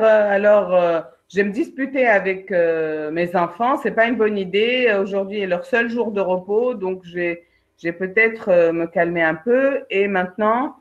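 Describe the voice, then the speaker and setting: Woman coaching on a lo-fi webinar. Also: medium pitch. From Algeria. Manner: lively, addresses participants directly, acts out examples. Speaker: career coach and trainer. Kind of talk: live webinar coaching talk. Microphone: video call. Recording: dull lo-fi online webinar audio.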